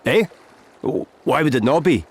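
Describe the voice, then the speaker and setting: An actor with a Scottish accent playing a breezy, boastful noble-born traveller in a video game, chummy and bluff. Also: male voice, fairly high pitch, lively intonation, moderate pace, husky. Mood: indignant, boastful.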